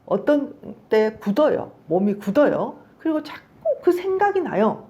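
A middle-aged woman, a counseling professor, giving an expressive lecture and explaining patiently with rhetorical questions. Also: a little high, unhurried, highs cut off. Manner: expressive, acts out little dialogues in different voices. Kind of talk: lecture to camera.

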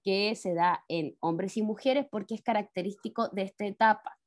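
A woman's voice: medium pitch, normal speed. A woman teaching science in an online class with a Chilean accent, explaining step by step and checking in with tag questions after each point. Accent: Chilean Spanish. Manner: speaks to the pupils as kids. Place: home, on a video call. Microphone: laptop mic on a video call.

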